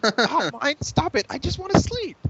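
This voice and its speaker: A man voicing a brash, lovesick tomboy pony girl, loud and urgent, in an amateur fanfic table read. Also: very high-pitched, sing-song, normal speed, dull audio, a crowd in the background, heavily acted. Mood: whiny.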